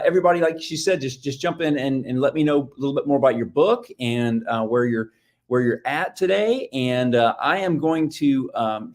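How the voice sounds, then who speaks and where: A man who works as a book publicist, presenting casually as a guest expert on a live stream, with frequent ums and restarts. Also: mid-range voice. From Nashville-based. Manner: casual, filler-heavy, restarts.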